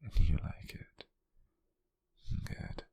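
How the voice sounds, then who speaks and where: A British man playing a gentle, doting wizard sweetheart in an intimate ASMR roleplay, speaking in a breathy, husky near-whisper with a tender, hesitant, teasing manner. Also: extremely slow. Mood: tender, shy.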